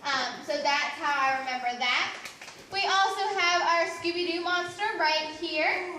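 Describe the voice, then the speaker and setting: A woman's voice: very high voice, measured pace, bright, forceful tone, slight background noise. A woman working as a cave tour guide, talking instructively and familiarly to her group with cave echo around her voice. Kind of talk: guided tour talk with quiz questions to visitors. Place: inside an echoey show cave. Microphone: camera mic at a distance. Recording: echoing cave, distant mic, chattering visitors.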